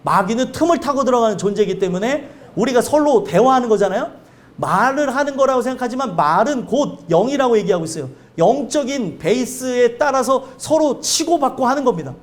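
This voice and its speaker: A male pastor giving a sermon, earnest and conversational, with lively anecdotes. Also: very high voice, a little fast.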